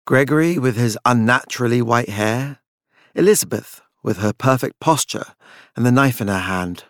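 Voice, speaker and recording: A man reading a literary story as an audiobook narrator, measured and dramatic in his delivery. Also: medium pitch, a bit bright, no echo, studio quality.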